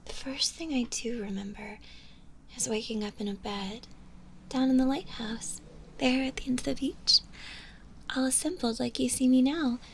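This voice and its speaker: Gentle undead zombie girl for ASMR roleplay, woman performer: whispery, bashful, hesitant, higher-pitched, with creaky vocal fry. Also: slight background noise, low-quality recording. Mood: gentle, wistful. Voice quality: soft, breathy, often whispering. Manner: hesitant, bashful, halting with small giggles.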